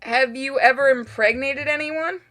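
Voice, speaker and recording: A woman's voice: sits high, moderate pace, sharp tone, pitched above the performer's own voice. A woman voicing a nosy, exasperated young heroine in a visual novel game, with an incredulous, teasing manner.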